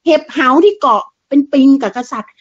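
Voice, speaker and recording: A woman's voice: high voice, big pitch swings, fast. A woman giving a fiery, blunt political monologue, crude and mocking, full of rhetorical questions. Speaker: political commentator. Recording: dull lo-fi sound.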